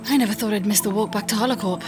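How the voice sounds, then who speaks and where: A woman playing a composed, determined scientist in an audio drama, with formal, measured diction. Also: mid-range voice, over music, lightly acted. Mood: polite, firm.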